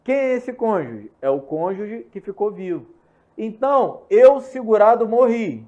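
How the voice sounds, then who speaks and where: A young man with a Brazilian Portuguese accent teaching an online law lesson, repeating key points and checking in with quick questions. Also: sits high, sing-song, warm tone. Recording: slightly muffled lo-fi recording.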